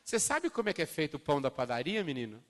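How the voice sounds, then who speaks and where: A man quoting a kind, firm older woman schoolteacher, speaking softly and slowly in a reverberant hall. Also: fairly high pitch, huge pitch swings. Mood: gentle, firm. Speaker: primary school teacher.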